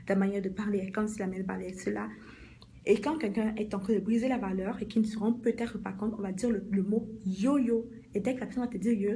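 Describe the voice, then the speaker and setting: A woman's voice: mid-range voice, dark tone, a little hiss or hum. A middle-aged woman, a life coach giving a motivational live talk, speaking straight to her viewers and repeating her points.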